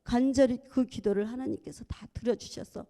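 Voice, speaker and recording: A woman's voice: a little high, fairly quick, dark tone. A middle-aged woman, a church deaconess, giving a heartfelt testimony in a church sanctuary, earnest and at times fervent.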